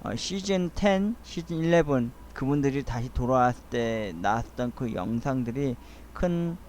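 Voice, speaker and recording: A middle-aged man rambling through a soliloquy-style audio essay, speaking in a halting, earnest and wistful way. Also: mid-range voice, expressive, a little mellow, slight background noise. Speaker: host of a monologue essay channel.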